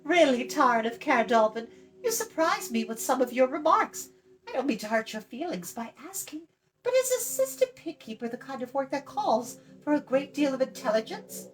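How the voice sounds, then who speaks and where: A woman's voice: high voice, sing-song, normal speed, voice pushed up, poor audio. A woman voicing a chatty, blunt young girl in a fantasy storybook, in a light, musical voice with a breezy manner. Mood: exasperated, blunt. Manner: breezy, talkative, matter-of-fact. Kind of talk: children's fantasy storybook reading.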